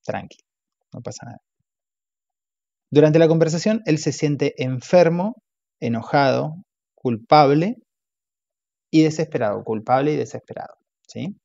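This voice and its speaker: A man's voice: on the high side, unhurried, vocal fry, pauses often, warm tone, dry recording. A man reading a self-help audiobook, adding casual asides. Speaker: audiobook narrator. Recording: dull, dry lo-fi recording.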